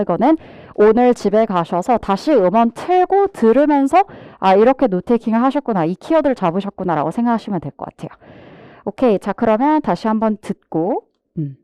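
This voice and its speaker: A woman's voice: on the high side, smooth, no room sound. A woman TOEFL instructor giving a live online vocabulary lecture, having students repeat English words after her and talking straight to the class. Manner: lively teacher drilling pronunciation, has students repeat words; addresses the class directly, mixing English words into explanations.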